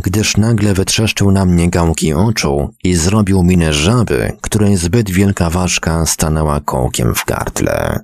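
A man narrates a short story in a measured, expressive way. His voice is very deep and gravelly, and his pitch moves in a lively way. The recording is close and dry. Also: no room sound. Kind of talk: audiobook reading of a short story.

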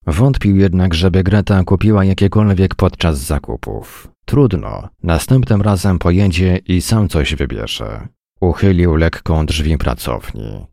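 A man reading a short story aloud as narrator, in a measured, wry storytelling manner. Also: deep voice, creaky, darkish tone, no room sound, clean studio sound.

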